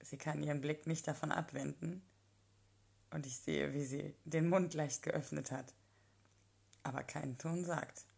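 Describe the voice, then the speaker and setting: A woman narrating a first-person erotic story in a calm, intimate storytelling manner. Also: sits low, a little slow, vocal fry, slightly rough.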